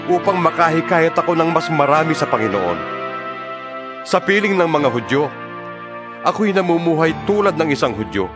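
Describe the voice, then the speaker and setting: A Filipino-accented man playing an earnest apostle in a dramatized scripture reading, speaking in an emphatic, oratorical way. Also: on the high side. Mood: fervent, resolute. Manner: oratorical, emphatic rhetorical questioning. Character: Paul, earnest impassioned male apostle writing to his church. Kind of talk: dramatized audio Bible reading in Tagalog. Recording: studio reading over clear background music. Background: instrumental music.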